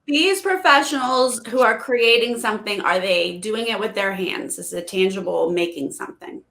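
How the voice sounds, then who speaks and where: A woman's voice: medium pitch, normal speed, creaky, a bit bright, reverberant. A woman playing as a contestant in a guessing game, thinking aloud as she puts casual questions.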